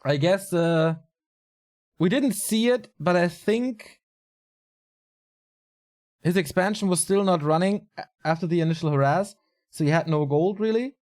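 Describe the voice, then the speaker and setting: A man commentating a strategy game alone, casual and chatty, his voice a little raspy and tired. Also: high-pitched, unhurried, pauses often, darkish tone. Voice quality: casual, chatty delivery with fillers. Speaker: esports caster.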